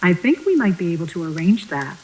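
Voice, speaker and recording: Composed, low-voiced female manor attendant. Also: very animated, fairly quick, slight background noise, rough recording. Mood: composed, polite. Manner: polite, composed, formal. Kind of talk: audio drama acting.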